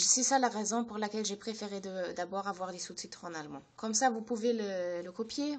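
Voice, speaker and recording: A woman whose first language is German, hosting a language-learning channel and explaining in French, hesitant and full of fillers and restarts. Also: medium pitch. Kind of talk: unscripted explanation to camera.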